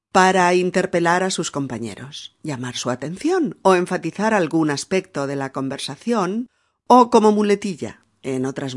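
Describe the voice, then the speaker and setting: Speaking in a deep voice, a woman from Spain gives a patient language lesson in Peninsular Spanish tones, nudging the learner with gentle "mm?" check-ins.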